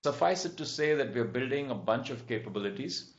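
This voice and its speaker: Echoey, halting male executive. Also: medium pitch, expressive. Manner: halting, measured, explanatory. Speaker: telecom company executive. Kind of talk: earnings call answers. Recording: dull, echoey conference-call audio.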